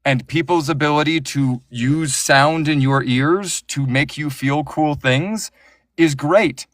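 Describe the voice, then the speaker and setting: A man's voice: fairly high pitch, slow pace, a bit bright, no room sound, clean studio sound. A man who narrates audiobooks, talking passionately and with strong opinions in a casual interview, often restarting his sentences.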